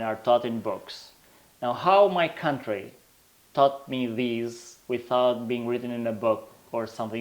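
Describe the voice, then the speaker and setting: An author with an Albanian accent talks through his ideas in English, his second language. He is a man with a mid-range voice who explains patiently, building each point with examples. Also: mid-range voice. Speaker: author, guest. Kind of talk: interview answers.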